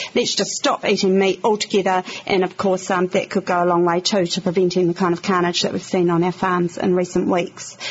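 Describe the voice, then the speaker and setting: A woman speaks with a New Zealand accent at a medium pitch and a fairly quick pace. Noticeable background noise sits behind her voice. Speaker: radio host. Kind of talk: radio talk.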